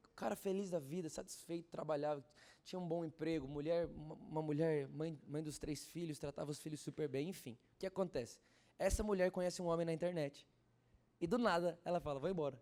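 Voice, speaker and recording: Pastor preaching a sermon, voice a bit high, gets loud and fired up then goes soft for the story bits, keeps asking the church questions. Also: male voice. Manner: swings from loud fervent exhortation to soft hushed storytelling; asks the congregation questions. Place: church service.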